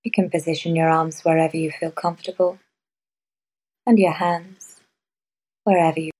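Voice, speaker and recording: A woman guiding a meditation in a soft, measured way, with long pauses between phrases. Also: deep voice, level tone, slightly rough, rough recording. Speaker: meditation guide. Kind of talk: guided meditation.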